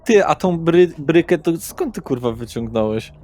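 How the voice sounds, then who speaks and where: A man's voice: on the high side, lively intonation, moderate pace, dark tone, voice pushed up, natural voice. A man plays a young, spoiled street slacker in a tabletop game. His voice jumps up from the player's own and swings around freely. He is brash and crude, needling whoever he talks to. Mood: mocking. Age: young adult figure. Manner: brash, taunting, swearing. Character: cocky, mouthy rich young male slacker, crude street slang.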